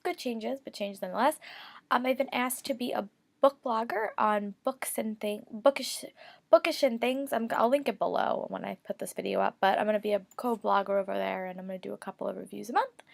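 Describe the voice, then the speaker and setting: A woman's voice: medium pitch, a little fast, creaky. A young woman with a slight cold and a stuffy voice, chatting casually and upbeat about her reading plans, with lots of fillers. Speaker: book vlogger. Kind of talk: casual chat to camera.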